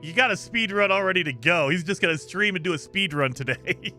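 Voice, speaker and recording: A man's voice: sits high, expressive, a little fast, sharp tone, faint music behind. A man streaming a game live, upbeat and chatty, thanking viewers by name and explaining the rules, his voice a little scratchy from days of streaming. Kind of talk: casual live-stream chat and gameplay commentary.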